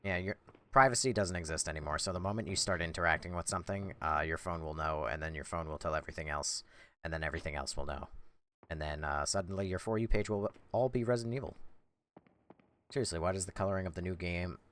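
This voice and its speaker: Deep, monotone male streamer. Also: fast. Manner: monotone, dry, blunt, swears casually. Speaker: gameplay streamer. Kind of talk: casual gameplay commentary, answering chat.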